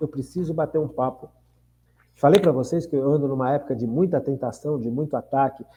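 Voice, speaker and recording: At a moderate pace, a man speaks in a somewhat breathy voice with a fairly high pitch and a dark, mellow tone. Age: 60s. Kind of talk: religious formation talk.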